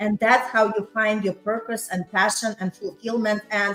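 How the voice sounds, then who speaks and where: Music plays in the background. Over it, a woman talks in a fairly high pitch. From Ukraine. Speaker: life coach. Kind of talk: casual chat. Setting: live stream.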